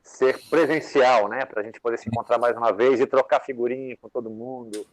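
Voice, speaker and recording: A man's voice: mid-range voice, steady tone, fairly quick, dry recording, rough recording. Rambling man on a dry video call. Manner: rambling, many fillers, conversational. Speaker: songwriter guest. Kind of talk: casual interview talk.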